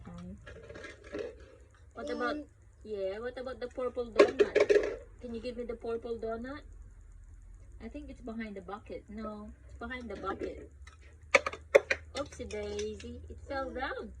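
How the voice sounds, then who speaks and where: A young mother at home, talking patiently to her toddler in a slow, encouraging, sing-song way. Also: on the high side, very noisy. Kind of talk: child-directed talk with a toddler.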